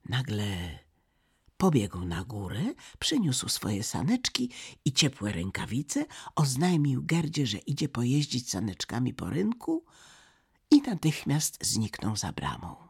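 A storyteller reading a fairy tale aloud, expressive and sometimes sinking to a near-whisper. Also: mid-range voice, takes it slowly, gravelly, slightly rough.

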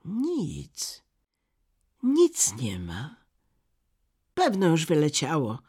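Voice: medium pitch, wildly swooping pitch, very slow, husky, heavily acted. A reader voicing a sneering, cold-hearted boy. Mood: dismissive. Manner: sneering, loud, scornful.

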